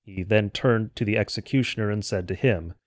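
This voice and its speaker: A man delivering an explanatory history lecture in a measured, didactic way with formal phrasing. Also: fairly low pitch, no room sound. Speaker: host of a church history podcast. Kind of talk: explanatory lecture, semi-scripted narration.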